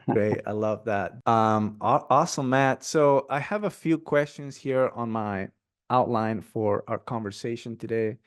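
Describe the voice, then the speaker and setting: A mid-pitched man hosts a podcast interview with upbeat enthusiasm. He talks casually and fills his sentences with "like" and "you know". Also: takes it slowly. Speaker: podcast host.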